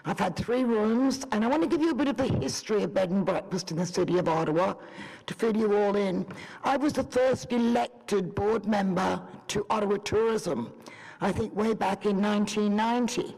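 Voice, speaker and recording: A woman's voice: medium pitch, moderate pace, vocal fry, darkish tone, breathy edge. An older woman with an Australian accent, a bed and breakfast owner giving an earnest public deputation to a city committee. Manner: earnest, persuasive, lists points one by one. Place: city council committee chamber. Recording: reverberant council chamber.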